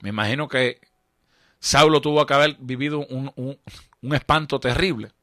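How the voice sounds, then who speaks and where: A man's voice: mid-range voice, normal speed, a bit bright, dry recording, clean studio sound. A man preaching a radio sermon with a Puerto Rican accent, building his points through emphatic repetition and chuckling often. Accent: Puerto Rican Spanish. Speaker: evangelist preacher. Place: radio studio.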